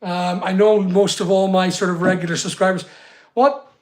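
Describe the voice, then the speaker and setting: A man's voice: sits high, flat delivery, normal speed. A middle-aged man with a Northern Irish accent, chatting casually to his channel while directing a helper at work, recorded from a distance in an echoey room. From England. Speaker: channel host. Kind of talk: casual chat while working. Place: studio room under construction, indoors. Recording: echoey room, distant mic, faint noise.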